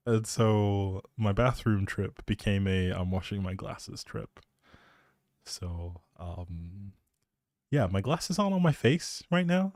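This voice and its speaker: A man's voice: lowish voice, lively intonation, slow, a little mellow, no room sound. A man chatting casually as a live streamer, rambling in a playful, self-deprecating way into a close microphone.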